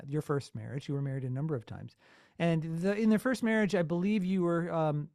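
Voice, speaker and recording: A man hosting an interview, asking conversational questions in a slightly hesitant, pausing way. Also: fairly high pitch, no room sound, clean studio sound. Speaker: interview host.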